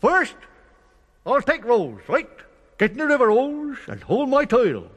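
A man voicing a boastful, cheeky male worm who draws his words out slowly. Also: very high voice, wildly swooping pitch, slightly rough, dull audio, pitched above the performer's own voice, exaggerated voice. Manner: slow, drawn-out and cheeky. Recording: reverberant room, faint music.

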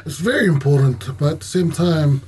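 A man's voice: fairly high pitch, animated, fairly quick, a little mellow, a little hiss or hum. A man, a professional wrestler and guest chatting casually, laughing easily and restarting phrases as he goes. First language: Tongan. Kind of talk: casual podcast chat.

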